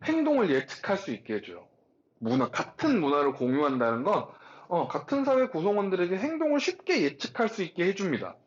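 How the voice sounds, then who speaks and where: A man giving a recorded lecture, talking in an animated, chatty way with rhetorical questions and asides. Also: high voice, brisk, lo-fi sound.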